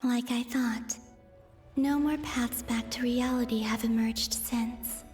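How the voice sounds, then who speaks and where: Breathy, lonely ethereal young woman. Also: a little high, fairly even intonation, slow, darkish tone. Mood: pensive, uncertain. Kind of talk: video game voice acting. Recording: long reverb under music.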